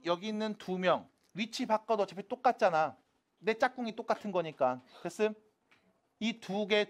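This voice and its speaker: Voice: mid-range voice, fairly bright tone. A math teacher giving a classroom lecture, switching between casual and polite speech and constantly asking the students whether they follow. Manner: checks in constantly with quick casual questions.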